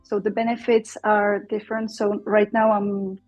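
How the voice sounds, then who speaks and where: A young adult woman from the Czech Republic with a Czech accent, a Czech teacher speaking English casually as an interview guest, thoughtful and pausing often. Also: mid-range voice, little pitch movement, dull audio, over music. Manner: thoughtful, many fillers and restarts.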